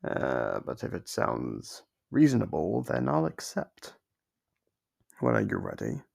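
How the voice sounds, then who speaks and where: A man playing a sadistic, playfully menacing monster captor in an ASMR horror roleplay, with a gravelly, husky voice and a slow, teasing delivery. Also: rumbling low, huge pitch swings, darkish tone, full character voice.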